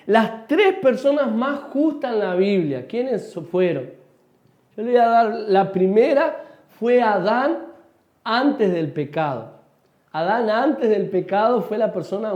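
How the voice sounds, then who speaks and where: High-voiced Rioplatense pastor preaching. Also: male voice. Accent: Rioplatense Spanish. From Uruguay. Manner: animated preaching, asks the congregation questions and answers them. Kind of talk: sermon. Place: church hall. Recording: echoey church hall, dull sound.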